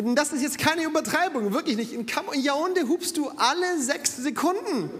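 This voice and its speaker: Over noticeable background noise and audible room echo, a man talks at a moderate pace in an animated tone, his pitch swinging very widely. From Cameroon (Yaoundé). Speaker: guest preacher. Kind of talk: sermon. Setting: church with congregation.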